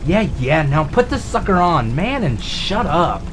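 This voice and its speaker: An actor playing an impatient small-time crook in a radio drama, slangy and bossy. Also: male voice, a little high, big pitch swings, unhurried, noisy background. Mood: impatient, mocking.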